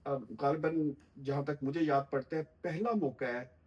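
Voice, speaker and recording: A middle-aged man, a guest commentator giving measured political analysis in formal language with frequent thoughtful pauses. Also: on the high side, a little mellow, rough recording.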